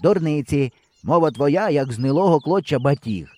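A man's voice: a little high, sing-song, normal speed, mellow, voice pushed up. A man reading an audiobook, voicing a scornful, skeptical schoolboy who mocks his friend. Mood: dismissive. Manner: scornful, jeering.

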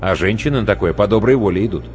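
A man's voice: fairly low pitch, expressive, rapid-fire, voice pushed up, natural voice. A man voicing a sly, unflappable male make-up artist who teases politely. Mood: dry. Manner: teasing, mock-polite. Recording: long reverb with faint music.

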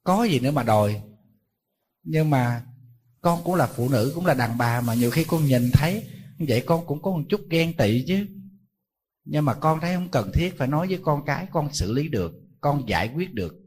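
Husky monk preaching. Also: male voice, a little high, expressive, moderate pace, a little mellow. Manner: conversational storytelling with rhetorical questions to the audience. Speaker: Buddhist monk giving a dharma talk. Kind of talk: sermon.

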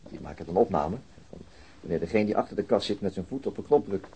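An actor playing a sober, methodical police detective in a radio drama, with a hesitant, understated way of talking. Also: male voice, lowish voice, animated, fast, warm tone, slight background noise, low-quality recording. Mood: reserved. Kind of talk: naturalistic radio drama dialogue.

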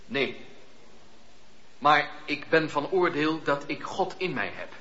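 An actor playing a defiant, devout preacher on trial in a radio play, emphatic and deliberate. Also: male voice, a little high, animated, sharp tone, heavily acted. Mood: firm, devout. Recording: dull, noisy, echoey radio play recording.

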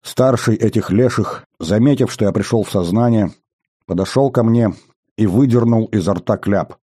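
A man reading a first-person novel aloud in a steady, measured way. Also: on the low side, slightly rough, dry recording, clean studio sound. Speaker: audiobook narrator. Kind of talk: first-person audiobook narration.

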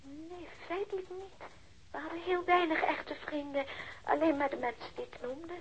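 Woman acting a high-voiced, subdued, polite widow. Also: fairly even intonation, moderate pace, slight background noise, natural voice. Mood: subdued, cooperative. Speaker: radio drama actor. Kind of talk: radio play acting, dialogue. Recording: dull band-limited radio drama audio.

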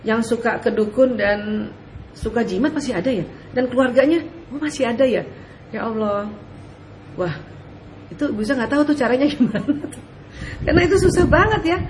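A woman preacher giving casual advice to listeners' questions, animated, asking rhetorical questions and laughing often. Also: on the high side, a little fast, a little hiss or hum.

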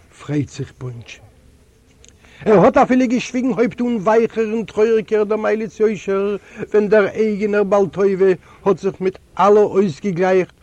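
An older man, a native Yiddish speaker, reads a literary story aloud at an unhurried pace. His voice sits high yet sounds mellow, and he tells the story dramatically, often dropping suddenly into softer passages. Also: dry recording. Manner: slow, dramatic storytelling with sudden soft drops. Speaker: reader of a literary recording. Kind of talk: literary reading.

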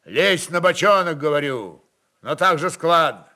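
A man voicing a forceful Cossack chieftain in a storybook reading, speaking in curt, authoritative, barking phrases. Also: on the high side, lively intonation, measured pace, pitched above the performer's own voice, exaggerated voice. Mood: teasing command.

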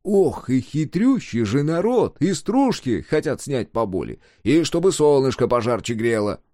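A man's voice: medium pitch, sing-song, a little slow, mellow, no echo, clean studio sound, pitched above the performer's own voice. A man voicing a naive, anxious woodcarver who calls out plaintively and bewildered, in an audiobook. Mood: plaintive, alarmed. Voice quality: hoarse. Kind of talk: audiobook character voice.

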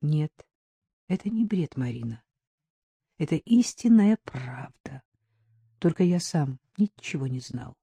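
A woman voicing a calm, firm middle-aged man who explains things in a level, measured way. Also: low voice, gravelly, slightly rough, no room sound, full character voice.

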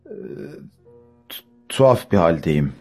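A man reading an audiobook, voicing a bitter, anxious poor man who shouts at his servant and stammers when flustered. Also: medium pitch, lively intonation, moderate pace, faint music behind.

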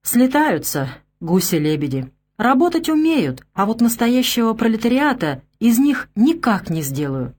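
Female narrator voicing hoarse, curt old Arctic captain, commanding, lively swings in pitch. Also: unhurried, exaggerated voice. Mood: wry. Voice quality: hoarse, rasping. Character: gruff hoarse older male Arctic sea captain.

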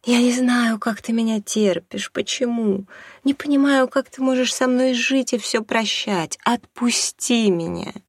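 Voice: measured pace, dry recording, clean studio sound. Reader doing a desperate pleading mother. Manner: pleading, tearful, rising to high anguished pitch. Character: desperate mother in love, leaving husband. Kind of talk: audiobook reading.

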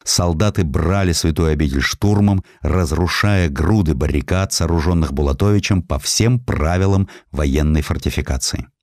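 A man reading a scripted historical story as an audiobook narrator, in a measured, expressive way with deliberate pauses. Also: extremely low pitch, dry recording, studio quality.

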